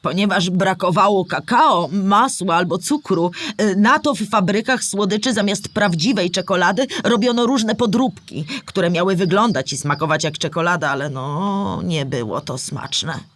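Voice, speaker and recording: A woman playing a patient storyteller who explains history to children in a scripted audio play, with clear, measured delivery. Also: lowish voice, animated, fairly bright tone. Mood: explanatory, patient.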